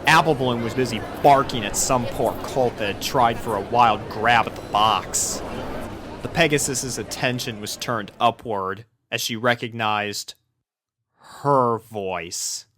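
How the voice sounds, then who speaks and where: A man's voice: medium pitch, a little slow. A man reading a scripted story aloud as its narrator. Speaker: fan fiction narrator.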